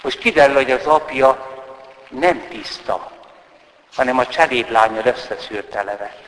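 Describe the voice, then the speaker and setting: A man lecturing, retelling a novel's plot in a deliberate storytelling manner. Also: mid-range voice, fairly bright tone. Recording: roomy hall with long reverb.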